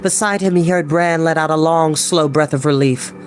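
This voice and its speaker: An expressive, theatrical storytelling host who reads books aloud and chats casually in between. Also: medium pitch, normal speed, slight background noise. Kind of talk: animated storybook reading with chatty asides. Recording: background ambient music. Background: ambient music.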